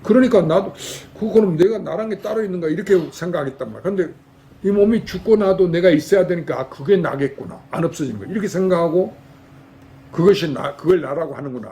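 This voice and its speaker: Warm in tone and on the high side, an older man's voice carries a folksy dharma talk in a temple hall. The Buddhist monk, from Jeolla, South Korea, tests his lay audience with rhetorical questions.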